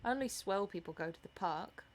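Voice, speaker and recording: A woman voicing a gruff, good-natured young working lad in an audiobook, with a blunt, grumbling manner. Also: mid-range voice, animated, normal speed, natural voice. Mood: blunt, resentful. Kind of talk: audiobook character voice.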